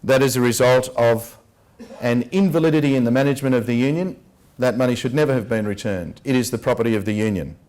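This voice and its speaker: An Australian man delivering an investigative lecture in an emphatic, rhetorical manner, leaning on key words with deliberate stress. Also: medium pitch, a little mellow. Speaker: public speaker, lecturer. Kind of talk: public address, investigative lecture. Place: public talk at a venue.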